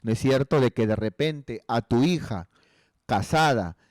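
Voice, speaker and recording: A man's voice: mid-range voice, expressive, unhurried, a little mellow, dry recording, studio quality. A male pastor giving pastoral counsel in a conversational sermon, earnestly asking rhetorical tag questions.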